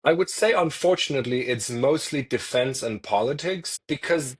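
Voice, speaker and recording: Man, 30s, from Denmark, husky mid-pitched voice, journalist guest who thinks aloud and restarts phrases. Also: animated, moderate pace. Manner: thoughtful, frequent restarts, repeats words while searching for phrasing. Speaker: freelance journalist, podcast guest. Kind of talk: conversational interview answers.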